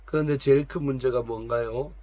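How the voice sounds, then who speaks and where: A man's voice: mid-range voice, fairly even intonation, a little fast, mellow, no echo, close to an everyday voice. A man reading as a probing pastor's wife. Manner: questioning, pointed. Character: probing, calm pastor's wife counseling a woman. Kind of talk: reading a story aloud.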